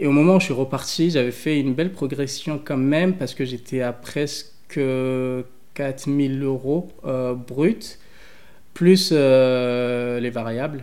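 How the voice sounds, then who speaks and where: Fairly high male speech with a dark, mellow tone and ordinary pitch variation, at a very slow pace. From grew up in Limoges, France, after arriving from an English-speaking country at 9-10. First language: English (speaking French). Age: 30s. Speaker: business development manager. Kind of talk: interview. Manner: energetic; hesitant with fillers.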